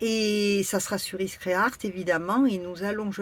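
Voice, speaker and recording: A woman with a medium-pitched voice talks at a very slow pace. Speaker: travel vlogger. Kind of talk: casual vlog talk. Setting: camper van. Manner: halting.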